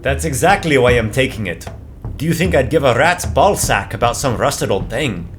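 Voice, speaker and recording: A man's voice: medium pitch, lively intonation, moderate pace, soft background music, voice pushed up, lightly acted. A man voicing a brash, boastful sailor adventurer with a crude tongue.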